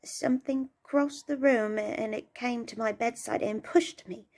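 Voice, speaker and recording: A woman playing a shaken young servant, giving a hurried witness account in a dramatic reading. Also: on the high side, fairly even intonation, a little mellow. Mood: uneasy, insistent.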